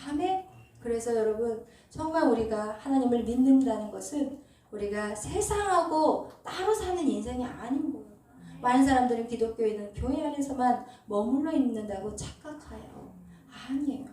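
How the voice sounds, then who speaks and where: High-voiced woman pastor preaching in an echoey hall. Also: animated, moderate pace, warm tone. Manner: emphatic preaching with call-and-response. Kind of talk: sermon. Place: church sanctuary. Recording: echoey hall, distant mic.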